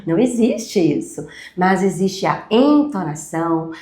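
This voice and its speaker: A woman instructor explaining a speaking technique in a live online class, steady and explanatory. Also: lowish voice, measured pace, reverberant. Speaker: communication instructor.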